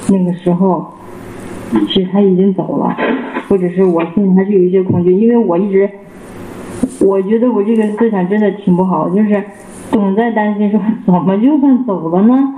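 A man giving a personal church testimony, halting and repeating himself with many fillers. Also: high-pitched, flat delivery, phone-quality sound. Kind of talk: casual spoken personal testimony. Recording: roomy with faint background noise.

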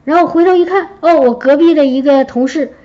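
A woman giving a personal testimony to her congregation, telling her story in a lively way and acting out what others said. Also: high voice, fairly quick, lo-fi sound. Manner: lively storytelling, acts out quoted speech. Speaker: church member giving a testimony.

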